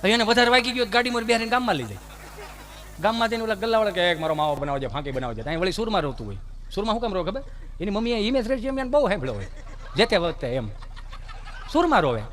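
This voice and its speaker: A man telling folk comedy stories on stage, animated and putting on voices. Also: sits high, racing, long pauses, a little hiss or hum. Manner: animated, acts out voices, rustic asides. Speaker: stand-up comedian. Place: live stage show.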